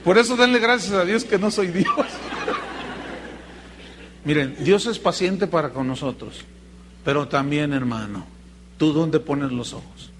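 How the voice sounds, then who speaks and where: A pastor preaching a sermon, telling anecdotes in a lively way and imitating the people in his stories. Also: a little high, measured pace, pauses often, noisy background. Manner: animated storytelling, mimics voices in quotes.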